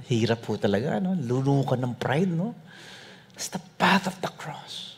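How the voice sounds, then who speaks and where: Male pastor, sermon, funny storytelling, husky voice, lively pitch. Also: normal speed. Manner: humorous storytelling, animated, dropping to soft asides.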